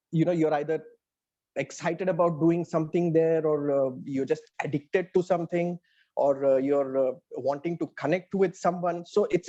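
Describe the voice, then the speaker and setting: Indian guy chatting about his work in an interview, highish mellow voice, kinda halting, muffled lo-fi audio. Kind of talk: casual interview, reflective storytelling. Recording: dull, band-limited audio.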